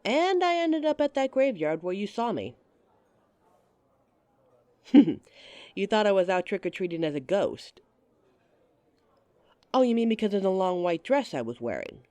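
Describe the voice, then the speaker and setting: A playful woman speaks straight to the listener in a scripted roleplay, teasing and often laughing. Her pitch swings up and down with a lot of life. She is recorded close on a dry, dead mic. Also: big pitch swings, a little slow, long pauses, mellow, no echo. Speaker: audio roleplay performer.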